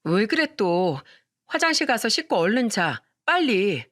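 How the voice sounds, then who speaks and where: A woman's voice: medium pitch, big pitch swings, unhurried, a bit bright. A woman reading a radio story, voicing an exasperated young wife who sharply scolds her drunk husband. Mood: scolding.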